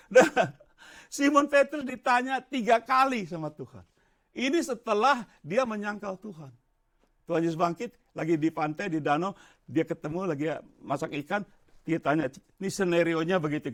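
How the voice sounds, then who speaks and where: An older pastor preaches in a church with a high, lively voice that leaps up and down. He keeps tossing questions to the congregation and drops English phrases into his sermon. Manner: animated preaching, quizzing the congregation.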